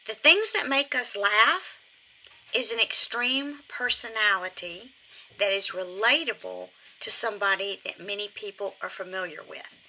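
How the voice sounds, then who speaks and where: A woman's voice: medium pitch, lively intonation, a little slow, pushed and bright, rough recording. A woman comic ventriloquist giving an informal, chatty lesson, drifting into asides as she explains. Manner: chatty, digressive, addresses her puppet. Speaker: comic ventriloquist teaching puppetry. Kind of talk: informal instructional talk.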